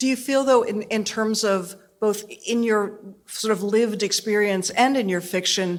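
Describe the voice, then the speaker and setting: A woman's fairly high voice with audible room echo. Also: fairly even intonation, moderate pace. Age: 60s. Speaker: novelist, interviewer. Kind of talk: onstage interview. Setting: stage with audience. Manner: halting.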